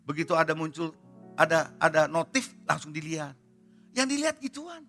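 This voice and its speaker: A man preaching a sermon in a high, very bright and piercing voice. He presses his points hard and keeps firing rhetorical questions at the congregation. Soft music plays faintly behind him. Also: big pitch swings, moderate pace. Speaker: pastor. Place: church service.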